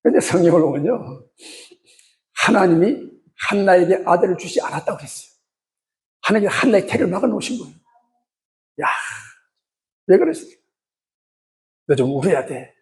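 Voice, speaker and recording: A man's voice: sits high, animated, moderate pace, long pauses. A male pastor giving an impassioned, emphatic sermon full of rhetorical questions.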